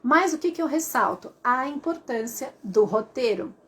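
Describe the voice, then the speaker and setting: Lively woman voice coach, fairly high. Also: normal speed. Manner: lively, coaching, rhetorical questions. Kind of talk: live-stream voice lesson.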